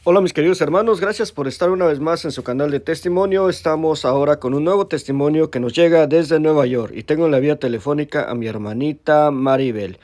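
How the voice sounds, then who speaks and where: A man's voice: fairly high pitch, quick pace, few pauses, a little mellow, no room sound. A man hosting a Catholic testimony channel, exhorting the listener directly and then interviewing a caller. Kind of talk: preaching introduction and interview.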